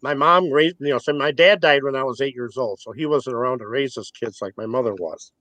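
A man's voice: mid-range voice, fairly quick, a bit bright, no echo. A man in his sixties being interviewed, talking in a rambling, folksy way and chuckling between points. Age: 60s. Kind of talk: casual spoken interview.

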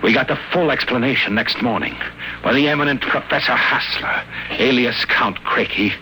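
An actor playing a haunted captive, gravely and dramatically recounting his nightmare in a 1950s radio drama. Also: mid-range voice, moderate pace, bright, forceful tone, a little hiss or hum, poor audio. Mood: horrified recollection. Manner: grave, dramatic first-person storytelling. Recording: vintage 1950 radio broadcast.

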